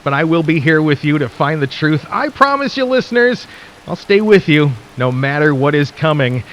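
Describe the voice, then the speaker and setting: A man playing a folksy late-night radio DJ in a radio drama, speaking intimately and conversationally to listeners with theatrical pauses and a skeptical, intrigued air. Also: a little high, sing-song, fairly bright tone. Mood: hushed intrigue. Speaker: radio host.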